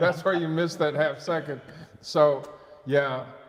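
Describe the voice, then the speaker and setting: A man talks at a moderate pace with a fairly high pitch. Noticeable background noise runs under his voice. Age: 70s. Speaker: motorsport club owner and track driver. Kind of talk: casual chat. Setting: live stream.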